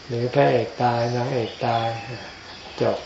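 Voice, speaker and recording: A man giving an informal Buddhist sermon as a monk, in a low-key murmur, with short phrases and pauses. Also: level tone, vocal fry. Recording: echoey, dull lo-fi, noisy with insects.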